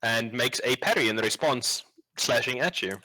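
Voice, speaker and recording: A man's voice: medium pitch, expressive, normal speed, sharp tone, poor audio. A man acting as game master, improvising tabletop game narration in a casual, sweary, slangy way.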